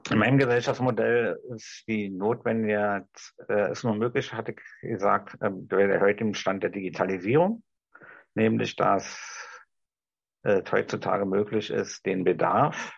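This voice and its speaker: A middle-aged man with a low, husky, gravelly voice and a restrained Berlin accent. He improvises a careful, halting address. The sound is dry and a little dull, like a video call. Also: no echo. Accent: Berlin German, restrained toward High German. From Berlin, Germany. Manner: halting, careful articulation, searching for words. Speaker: discussion participant. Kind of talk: improvised speech to an imagined TV audience. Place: small room indoors. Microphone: video call, device at some distance.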